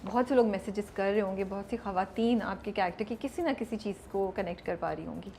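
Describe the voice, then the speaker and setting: A woman's voice: mid-range voice, darkish tone. Woman host doing a chatty interview, lots of hmm and yeah, mid voice, faint background hum. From Pakistan. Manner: chatty, encouraging, frequent hmm and yeah backchannels. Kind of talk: conversational interview.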